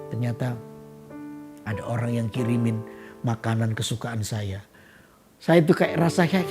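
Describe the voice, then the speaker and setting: A man preaching a sermon as a pastor, telling a story with lively swings between loud emphasis and soft murmurs. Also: medium pitch, vocal fry. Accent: Indonesian. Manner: animated storytelling, drops to soft murmurs when quoting. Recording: guitar music behind.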